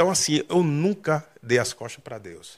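A man's voice with a fairly high pitch. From Brazilian Northeast. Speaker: bassist. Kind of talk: casual interview. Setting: studio. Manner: animated.

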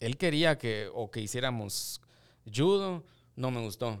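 An unremarkable speaking voice with lively intonation moves at a fairly slow pace on a very clean recording with a silent background. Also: man. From Guatemala. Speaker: orchestral violinist and music teacher. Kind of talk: interview conversation.

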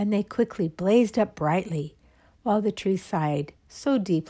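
The clip is reading aloud in a natural voice.

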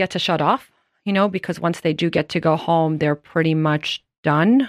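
Over a silent background in a very clean recording, a woman with an unremarkable speaking voice talks at a moderate pace, with a fairly low pitch and ordinary pitch variation. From Queens, New York. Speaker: entrepreneur, co-founder of a moms' business community. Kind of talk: casual interview.

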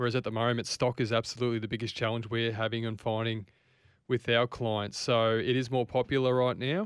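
Here is a man with an Australian accent and a medium pitch. He talks at a fairly quick pace in a monotone, flat intonation. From Victoria, Australia (Ballarat). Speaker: buyer's agent. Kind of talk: casual chat. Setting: studio.

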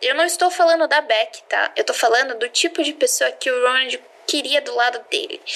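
With noticeable background noise, a woman speaks at a high pitch with lively intonation. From Brazil, Santos (São Paulo coast). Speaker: true crime podcast narrator, physicist. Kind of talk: scripted narration. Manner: casual asides to listener.

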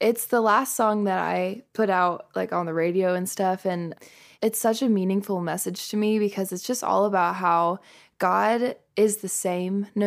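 Animated in tone, a woman speaks at medium pitch and a fairly slow pace in a very clean recording with a silent background. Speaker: singer-songwriter. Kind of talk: casual interview chat. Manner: giggly, animated.

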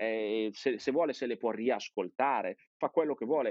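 A man speaks in an ordinary speaking voice at a medium pitch. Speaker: content marketing expert. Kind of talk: casual interview.

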